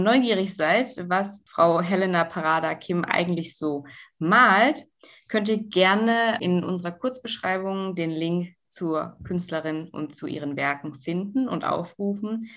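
A woman's voice: on the low side, a bit bright. A woman co-hosting a podcast, speaking enthusiastically and stressing words by repeating them. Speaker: podcast co-host. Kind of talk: casual podcast chat.

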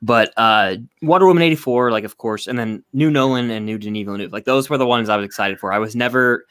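A man's voice: mid-range voice, fast talker, a bit bright, smooth, no echo, studio quality. A young man co-hosting a podcast in casual chat, rambling and hedging with frequent "like". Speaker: podcast co-host.

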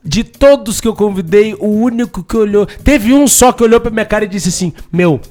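A man, cracking quick jokes as a podcast co-host. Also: sits high, darkish tone. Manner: wisecracking, quick interjections. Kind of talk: casual comedic chat.

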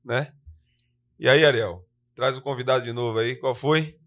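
A man co-hosting a live podcast, a police soldier, talking in a lively, chatty way and often tagging his sentences with questions. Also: medium pitch, moderate pace. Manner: lively, talkative, often tags "né?".

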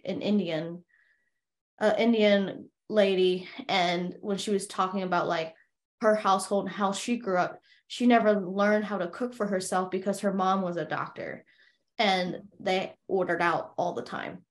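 A young woman hosts a casual podcast conversation. She talks in a loose, chatty way, restarting her sentences and filling pauses. Her voice sits in an ordinary middle range. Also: medium pitch. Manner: chatty, many fillers and restarts. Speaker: podcast host. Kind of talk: casual interview chat.

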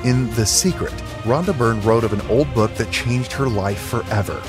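A man reading a scripted book advertisement in a smooth promotional delivery. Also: medium pitch, moderate pace. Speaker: ad announcer. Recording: music bed behind.

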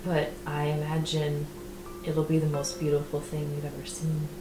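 A woman playing a tabletop game, speaking softly and earnestly in character and chatting with the table. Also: mid-range voice, monotone. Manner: soft, earnest and slow in character. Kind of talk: in-character roleplay and table chat. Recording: echoey room with music underneath.

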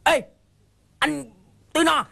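An actor with a Southern Vietnamese accent playing a glib, scheming comic husband who wheedles and breaks into sung lines. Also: male voice, very high voice, steady tone, drawn-out words, gravelly, pushed and bright, full character voice. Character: scheming, fast-talking comic husband plotting against the wives.

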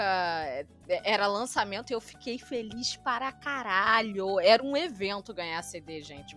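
A woman's voice: medium pitch, fairly bright tone. A woman in her thirties co-hosting a podcast in casual, teasing chat. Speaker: podcast co-host.

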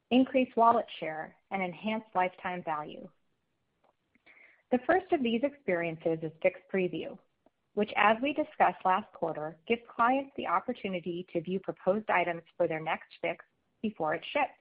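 A woman speaks through a thin, phone-like conference line. She reads prepared business remarks as a company executive, keeping a formal, measured delivery at a medium pitch. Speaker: company executive presenting on an earnings call. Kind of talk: scripted corporate presentation.

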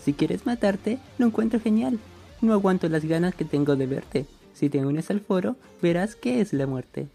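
A Chilean woman playing a melancholy, fatalistic gay teenager in a radio play, with a creaky voice. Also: on the low side, moderate pace, dark tone, soft background music. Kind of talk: rhymed radio play monologue.

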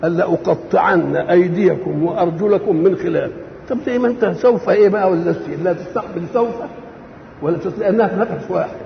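Gravelly fast-talking Egyptian preacher. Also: male voice, high-pitched. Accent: Egyptian Arabic. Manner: keeps asking and answering his own rhetorical questions; gravelly, lively and quick-spoken. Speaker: Quran commentator. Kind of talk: explanatory religious lesson. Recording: echoey hall, dull lo-fi, faint hiss.

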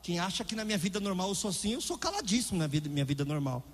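A man's voice: high voice, very animated, racing, in a large hall. A male pastor preaching a sermon with vehement, emphatic delivery.

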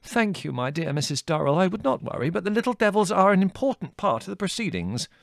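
A man's voice: sits high, sing-song, fast, creaky, dry recording, studio quality, pitched above the performer's own voice, heavily acted. A man doing a fussy, blustering colonel. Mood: agitated. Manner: blustering, clipped. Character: fussy agitated old male colonel.

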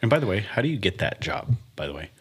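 A man hosting a podcast in casual chat, joking and animated, laughing often. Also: lowish voice, quick pace, breathy edge. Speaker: podcast host.

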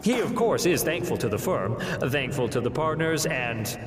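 An actor playing a smooth-talking demon who works as a defense lawyer, telling his story in a theatrical, wry way for an audio drama. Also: fairly high pitch, sing-song, normal speed, heavy background noise. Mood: matter-of-fact, cynical. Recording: reverberant hall, music underneath.

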